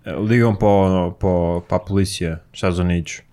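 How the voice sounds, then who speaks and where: A man's voice: deep voice, steady tone, quick pace, mellow, smooth. A young man chatting on a podcast, easygoing and thinking aloud. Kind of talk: casual chat.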